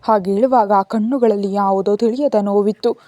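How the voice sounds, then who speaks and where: A woman narrating a serialized story in a steady, even storytelling manner. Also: mid-range voice, fairly quick, no room sound.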